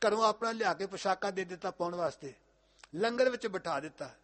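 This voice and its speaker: A male preacher giving a Sikh katha sermon, telling the story with emphatic repetition and chanting scripture verses slowly. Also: high voice, expressive, fairly bright tone. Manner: emphatic, repeating lines with rising force.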